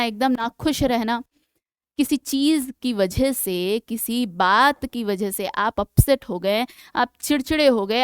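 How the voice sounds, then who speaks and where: A woman teaching English vocabulary for exam preparation, explaining in Hindi and reading English example sentences slowly and deliberately, often checking in with her students. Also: fairly high pitch, clear, resonant tone, no room sound. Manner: keeps checking in with "है ना". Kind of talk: exam-prep vocabulary lesson.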